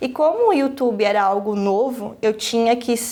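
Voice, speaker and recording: A woman speaks with a high pitch. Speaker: writer and book youtuber. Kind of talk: interview.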